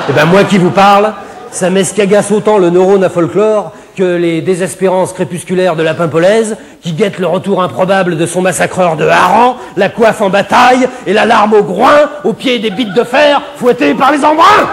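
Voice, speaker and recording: A man at a moderate pace with lively intonation, light background noise behind him. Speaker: stand-up comedian. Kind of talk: comic stage monologue. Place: stage. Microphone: lapel.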